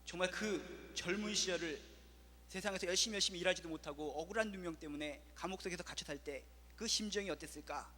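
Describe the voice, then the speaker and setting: A man's voice: sits high, quick pace, sharp tone, long reverb tail. A male pastor preaching an impassioned sermon full of rhetorical questions, in a church.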